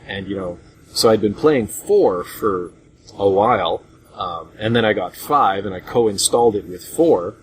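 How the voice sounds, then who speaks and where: A man hosting a casual group discussion about retro games in a rambling, hesitant way, on a low-grade voice chat recording. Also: lively intonation, measured pace, a little hiss or hum, poor audio. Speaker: podcast host.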